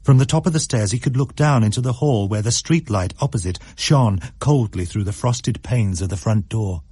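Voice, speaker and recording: A male storyteller reading a suspense tale at a measured, unhurried pace. His voice is low and mellow with a husky grain, and the recording is close and dry with no room sound. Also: dry recording. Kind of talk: scripted story narration.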